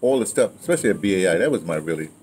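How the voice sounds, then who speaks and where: Low-pitched and darkish in tone, a man in his seventies races through his memories with great animation. An audio drama veteran being interviewed, he chats casually and repeats phrases. The setting is a building's patio or yard, with clearly noisy outdoor sound.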